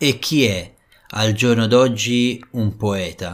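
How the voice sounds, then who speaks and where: A man at a very slow pace. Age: 30s. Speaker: podcast host and poet. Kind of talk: reflective monologue.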